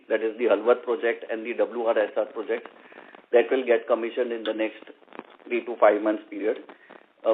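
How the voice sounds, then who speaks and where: A man with a medium-pitched voice speaks as an executive on a conference call. He lays things out in measured segments over a tinny phone line with slight noise. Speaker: company executive giving financial figures. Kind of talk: business conference call answers. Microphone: telephone conference line.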